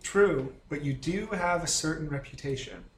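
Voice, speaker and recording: A man's voice: a little high, moderate pace, reverberant, a little hiss or hum. A man running a tabletop game as game master, explaining in a hesitant way with fillers.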